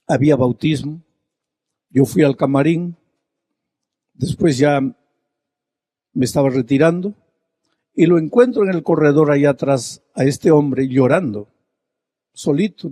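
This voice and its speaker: A male preacher delivering a sermon with slow, emphatic storytelling. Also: on the high side, mellow, in a large hall.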